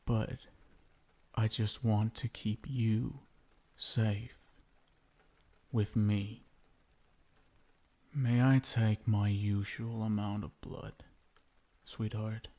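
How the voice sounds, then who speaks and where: Vampire husband, male actor, ASMR roleplay: obsessive and doting with menace underneath, dark mellow tone, gravelly fry, hushed intimate delivery. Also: fairly low pitch, level tone, full character voice. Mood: doting, menacing. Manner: hushed, crooning, lingering pauses, tender pet names. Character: possessive, lovestruck yandere vampire husband, menacing yet doting.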